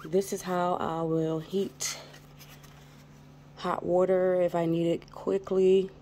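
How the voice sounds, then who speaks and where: A woman's voice: lowish voice, little pitch movement, takes it slowly, dark tone. A woman vlogger giving a casual show-and-tell narration, recorded indoors on a handheld phone. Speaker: vlogger, channel host. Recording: noticeable background noise on phone recording.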